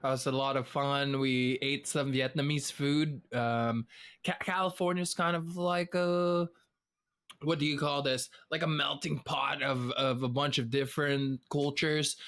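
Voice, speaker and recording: Easygoing man chatting slowly. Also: medium pitch, fairly even intonation, fairly bright tone. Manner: easygoing, jokey, quick to laugh. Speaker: podcast co-host. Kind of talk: casual chat.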